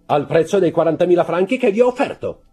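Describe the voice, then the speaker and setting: Man playing a cunning jeweller, calm and calculating, dark husky voice, audiobook. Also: high-pitched, fast talker, faint music behind, pitched above the performer's own voice. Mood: cool. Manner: calm, cool, calculating, sometimes murmuring. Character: shrewd, cunning male jeweller.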